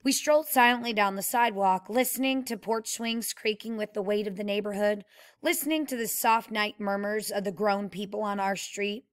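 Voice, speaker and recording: A woman reading a novel aloud in a steady, plain way and pausing to explain the story like a teacher. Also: mid-range voice.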